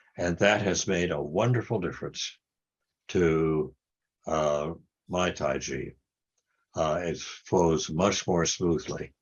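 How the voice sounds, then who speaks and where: A man with an American accent, very deep, low pitch, vocal fry, a very slow pace, long, frequent pauses and ordinary pitch variation. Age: 80s+. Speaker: philosopher. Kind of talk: Q&A conversation. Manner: halting.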